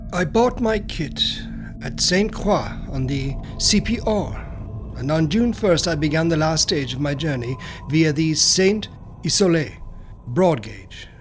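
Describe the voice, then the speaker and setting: A man reading a classic horror tale as a scripted, dramatic audiobook narration. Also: fairly high pitch.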